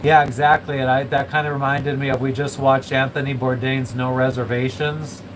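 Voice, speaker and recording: Male vlogger, monotone casual rambler, middle pitch, noisy recording. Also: normal speed. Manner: rambling, swears a lot, self-described monotone. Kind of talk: casual chat. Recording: noisy room with air conditioning and traffic hum.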